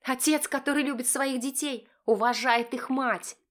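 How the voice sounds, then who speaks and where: Woman reader doing a furious wife, high shrill voice, screaming and accusing. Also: fairly even intonation, moderate pace, fairly bright tone. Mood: shrieking. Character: furious shrieking wife, middle-aged woman.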